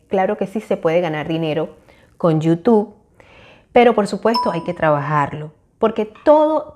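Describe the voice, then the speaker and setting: A woman in her forties speaks straight to camera through a lapel mic in a small room. Her voice is warm and mellow, earnest and encouraging, with hesitant fillers between her thoughts. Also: mid-range voice. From Venezuela. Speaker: YouTuber. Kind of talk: casual talk to camera.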